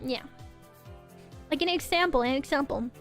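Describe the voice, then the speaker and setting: A woman's voice: high voice, normal speed, fairly bright tone, faint music behind. A young woman from Norway, chatting casually with her stream viewers and often restarting and repeating her words.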